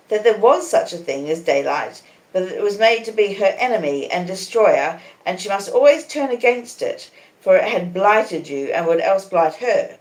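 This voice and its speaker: A woman voicing a proud, cool young lady in a storybook reading, calmly defiant, with measured and emphatic reasoning. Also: medium pitch, natural voice. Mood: cool insistence. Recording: echoey conservatory.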